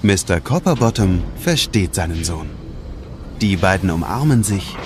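A man's voice: low voice, sing-song, measured pace. A man narrating a scripted audio story for children. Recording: music behind the narration. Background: music.

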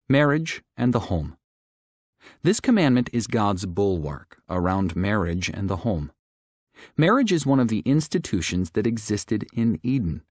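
A man narrating a religious audiobook, reading scripted text in a measured, deliberate way. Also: lowish voice, dry recording, clean studio sound.

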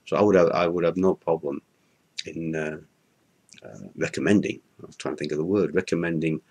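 A man in his sixties with a Yorkshire accent, giving an unscripted product testimonial to a webcam indoors, halting with many fillers and restarts. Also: extremely low pitch, fairly even intonation, a little mellow, breathy edge. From Yorkshire, England. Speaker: product reviewer. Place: indoor room in front of a curtain.

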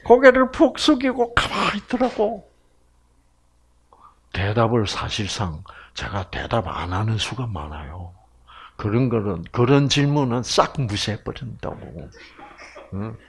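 A man with a Gyeongsang Korean accent lectures at an unhurried pace and tells his stories in a joking way. His pitch rises and falls a great deal as he turns to the audience with questions. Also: big pitch swings, a little hiss or hum. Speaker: health program lecturer.

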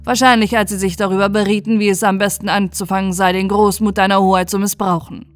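A woman's voice: medium pitch, level tone, fast talker, natural voice. A woman voicing a male barber testifying in a deferential yet insinuating way, in a fairy tale audiobook. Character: male barber, sly witness.

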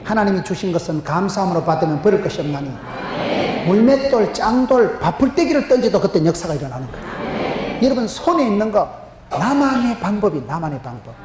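A middle-aged man with a strong Gyeongsang dialect, preaching an animated, humorous sermon, often dropping low for punchlines. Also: brisk. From Gyeongsangbuk-do, Korea. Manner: emphatic, humorous, gestures a lot, drops to low punchlines. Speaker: pastor. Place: large church stage with chalkboard. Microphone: handheld microphone. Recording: roomy hall reverb, faint noise.

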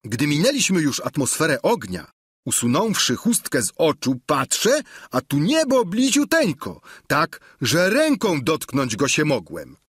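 A man putting on an eager, high-voiced peasant squire. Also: fairly bright tone, husky, no echo, studio quality, exaggerated voice. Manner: high, eager, emphatic telling. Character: boastful simple peasant squire, excited.

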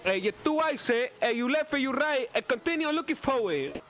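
Man, very high voice, put-on Latino accent, Spanish-sprinkled role-play chat, headset mic. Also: expressive, a little fast, fairly bright tone, soft background music.

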